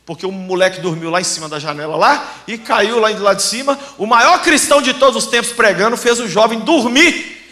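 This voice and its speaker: Male pastor, very high bright voice, lively storytelling sermon, echoey sanctuary. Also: brisk. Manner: animated, humorous storytelling with acted-out dialogue. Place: church sanctuary. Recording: echoey church hall.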